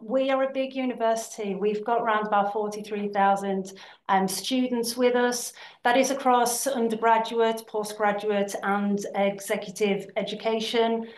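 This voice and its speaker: A woman gives a webinar talk about her university to prospective students. She speaks steadily at a middle pitch and often fills pauses with ums and repeated words. The sound is roomy, as if recorded in an echoey space. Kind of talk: webinar presentation.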